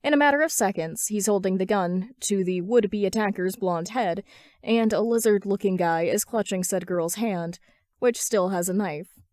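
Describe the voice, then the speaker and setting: A woman's voice: mid-range voice, normal speed, darkish tone, no room sound, clean studio sound. A woman reading scripted fan fiction as an amateur story narrator.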